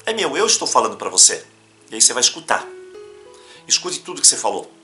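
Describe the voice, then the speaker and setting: A man's voice: medium pitch, fast, soft background music. A man from Brazil teaching a self-help practice in an emphatic, instructional talk. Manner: animated, emphatic, breaks into demonstrations.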